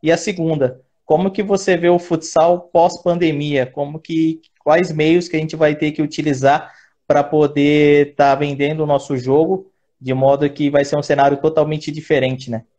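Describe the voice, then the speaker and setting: A man's voice: on the high side, level tone, normal speed, mellow. A man hosting a casual live interview, asking friendly, rambling questions full of restarts. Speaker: host, interviewer.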